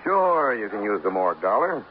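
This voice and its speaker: A brisk newspaper city editor who talks quickly and offhandedly in a lowish voice. The sound is thin and tinny, as in old radio, with a faint hiss. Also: male voice, big pitch swings. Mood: offhand. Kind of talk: 1950s radio drama acting.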